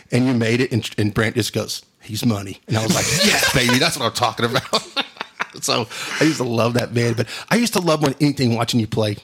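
A middle-aged man with a drawl tells stories in a booming voice that has a husky grain. He is animated and laughs easily, and he drops "dude" into almost every sentence. He speaks at a medium pitch for a man. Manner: animated, laughs often, says "dude" a lot. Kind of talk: casual storytelling chat.

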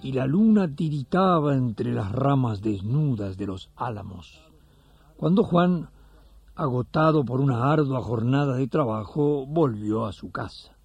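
A man's voice: medium pitch, animated, a little slow, gravelly, darkish tone, slightly rough, no echo, highs cut off, faint music behind. An Argentine man hosting a religious radio program and telling stories in a colloquial, folksy way. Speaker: radio host and storyteller. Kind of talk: warm religious radio address and storytelling.

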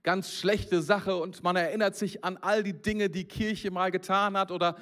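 A man preaching a lively sermon as pastor, speaking directly to his congregation and often restarting sentences. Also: high-pitched, moderate pace. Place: church service with a congregation present.

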